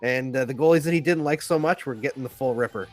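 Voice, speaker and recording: A man's voice: mid-range voice, quick pace. A man chatting casually as a sports columnist on a panel. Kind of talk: casual chat.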